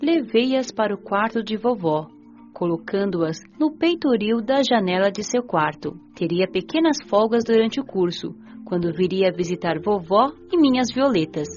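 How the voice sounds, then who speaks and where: A woman with a Brazilian accent playing a gentle, eager young spirit who narrates her story in an audio drama. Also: medium pitch, lively intonation, normal speed, muffled recording, faint music behind, lightly acted. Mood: tender, reflective.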